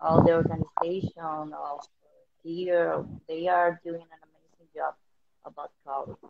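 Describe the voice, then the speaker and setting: A woman speaks at a fairly slow pace with a very deep, low pitch. Her intonation is monotone and flat, with big swings in loudness. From Dominican Republic. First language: Spanish. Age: 20s. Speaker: beauty pageant winner; interviewee. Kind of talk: live-stream interview. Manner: halting. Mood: friendly, smiling. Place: home room. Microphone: video call.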